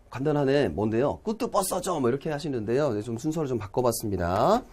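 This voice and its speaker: A middle-aged man explaining exam answers as a language lecturer, often checking in with questions to students. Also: on the high side. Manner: lively teacherly, asks students questions often.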